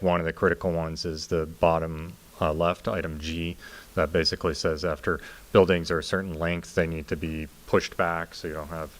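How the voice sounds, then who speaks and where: A man giving an informal, explanatory presentation as a planning consultant in a council meeting room. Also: low-pitched.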